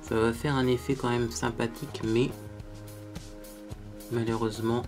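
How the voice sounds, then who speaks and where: A man's voice: mid-range voice, little pitch movement, a little slow, music in the background. A man talking casually through a makeup tutorial to viewers, chatty and self-mocking, tagging his sentences with little asides. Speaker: beauty vlogger.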